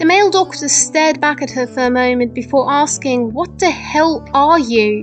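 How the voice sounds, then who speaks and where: A woman's squeaky, high-pitched voice at a moderate pace with ordinary pitch variation and music in the background. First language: not English. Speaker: creepypasta narrator. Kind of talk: horror story reading.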